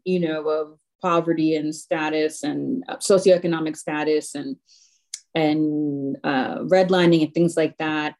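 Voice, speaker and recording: Woman from haiti guesting on a podcast, lowish voice, slow thoughtful bits with lots of ums. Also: a little mellow. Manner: thoughtful, halting recollection with many fillers. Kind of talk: casual chat.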